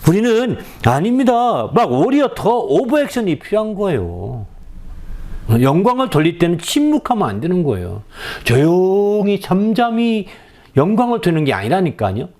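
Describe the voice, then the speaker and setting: Lively, animated preaching man. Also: high voice, brisk. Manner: lively preaching, frequent "예?" prompts to the congregation. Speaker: pastor. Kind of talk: sermon.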